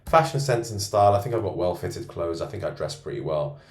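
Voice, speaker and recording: A man coaching men on self-improvement, rating himself out loud in a boastful, self-assured monologue from a co-working space. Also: sits low, animated, fairly quick. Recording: roomy echo.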